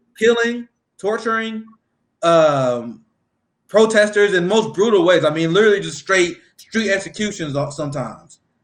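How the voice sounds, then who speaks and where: Lively intonation runs through this man's speech. He has a high pitch and an American accent. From US Midwest. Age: 30s. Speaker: political streamer. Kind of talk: casual livestream chat. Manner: fast.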